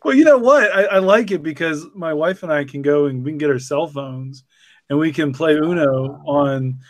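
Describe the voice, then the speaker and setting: A man's voice: fairly high pitch, normal speed. A man in casual podcast conversation, talking in a chatty, informal way.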